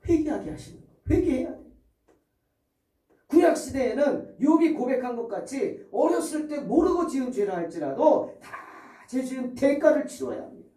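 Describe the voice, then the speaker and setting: A man's voice: very high-pitched, expressive, normal speed, mellow. A man preaching a sermon as pastor, fervently and with many rhetorical questions to the congregation. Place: church sanctuary. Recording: echoey church hall from far off.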